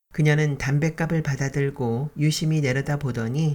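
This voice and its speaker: A dark, mellow tone, somewhat breathy, at a moderate pace. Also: woman. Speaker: audiobook narrator. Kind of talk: audiobook fiction reading.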